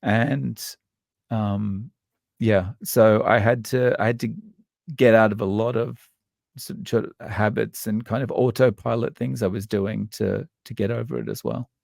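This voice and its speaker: A man with an Australian accent, a guest in a casual interview, talking in a halting, thoughtful way with frequent restarts and fillers. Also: fairly low pitch, fairly even intonation, vocal fry, a little mellow, dry recording, studio quality.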